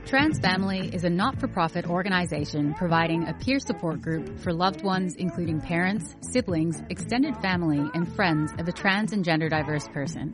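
A woman reads a scripted community announcement in a measured, even way. Her voice is somewhat low for a woman. Music plays clearly behind her. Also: poor audio. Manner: even, read-aloud delivery.

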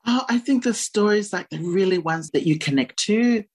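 A woman's voice: mid-range voice, lively intonation, moderate pace, slightly rough. A woman who grew up in Australia, answering conversationally as an interview guest. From born in New Zealand, grew up in Australia. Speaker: interview guest, series host.

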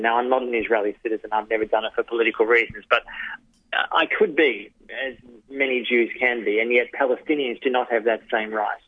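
A man in his fifties answers interview questions in a thoughtful way, speaking in short phrases with pauses. His voice sits at a middle pitch and comes through a tinny phone line. The sound is dry, with no room echo. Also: breathy edge. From Australia. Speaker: guest, journalist and author.

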